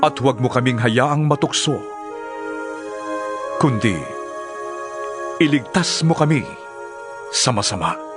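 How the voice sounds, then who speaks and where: Solemn male teacher, Filipino accent, scripture drama, declamatory, very expressive intonation, soft musical backing. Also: mid-range voice, music in the background. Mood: prayerful, reverent. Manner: measured, declamatory, instructive. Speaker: voice actor.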